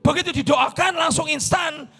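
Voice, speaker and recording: High, gravelly Indonesian preacher man. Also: normal speed, faint music behind. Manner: animated, acts out voices in the story, swings between shouting and hushed. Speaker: pastor. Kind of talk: sermon storytelling.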